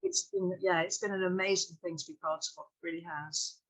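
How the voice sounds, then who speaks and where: A woman's voice: fairly low pitch, steady tone, brisk, fairly bright tone, poor audio. A woman speaking as a sculptor in an interview, earnest, often repeating herself and trailing off mid-phrase. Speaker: sculptor guest. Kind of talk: interview answers.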